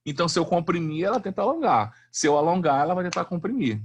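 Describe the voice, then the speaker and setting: A man's voice: on the high side, expressive, fast, breathy edge. A man teaching a physics class online in a chatty, slangy way, often asking the students questions.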